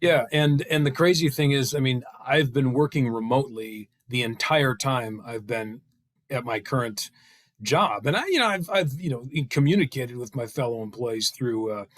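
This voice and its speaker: Middle-aged man chatting haltingly, dry close sound. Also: mid-range voice, dry recording. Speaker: table read participant. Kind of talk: casual chat. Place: at home on a video call. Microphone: video call.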